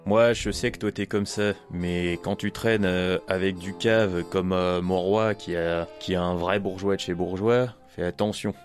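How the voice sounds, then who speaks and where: A shrewd, guarded crime patron, acted by a man running a game, speaking fairly low. He bargains in familiar slang with hesitant phrasing. Music plays behind the role-play. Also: fairly even intonation, unhurried, hardly any pauses. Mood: shrewd bargaining.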